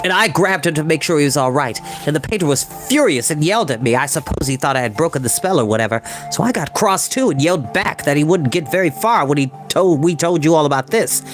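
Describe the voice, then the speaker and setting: A man reads as an earnest schoolboy in a storybook. He recounts events informally in long run-on sentences, with lively swings in pitch. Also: quick pace, few pauses, soft background music, close to an everyday voice. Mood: earnest, shaken.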